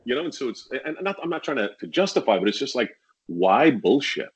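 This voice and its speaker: A man talking candidly as a guest on a casual podcast, acting out sales pitches as he tells stories. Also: sing-song, a little fast, breathy edge. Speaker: podcast guest, real estate agent.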